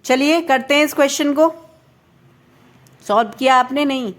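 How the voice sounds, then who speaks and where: Teaching a reasoning lesson at a moderate pace, a high-voiced young adult woman from India goes through every question step by step. Along the way she repeatedly checks that the viewer is keeping up.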